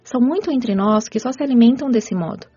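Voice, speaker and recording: An actress playing a kind, patient spirit caretaker who explains rules in a measured, teacherly radio drama delivery. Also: female voice, on the high side, mellow, slightly rough. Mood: patient, instructive. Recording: muffled audio with music underneath.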